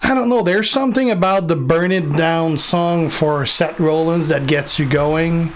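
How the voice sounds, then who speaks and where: Young French Canadian streamer, slightly high voice, loose and rambling, faint hiss in the background. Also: male voice, a little slow. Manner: relaxed, rambling with fillers and restarts. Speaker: game streamer answering chat. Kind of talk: casual live-stream chat.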